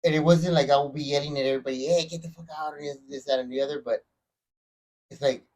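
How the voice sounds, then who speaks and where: A man in a casual podcast chat, telling his story in a halting, roundabout way and swearing now and then. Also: mid-range voice, flat delivery, darkish tone, poor audio. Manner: halting, many fillers and restarts, swears. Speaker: podcast guest.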